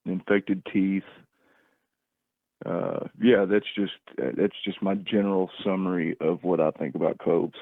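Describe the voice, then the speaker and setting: A lowish-voiced man calls in over a narrow, tinny phone line with no room sound around him. He rambles casually, restarting and repeating himself as he hunts for the right words. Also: no echo. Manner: halting, repetitive, searching for words. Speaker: call-in caller on a livestream. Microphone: phone call.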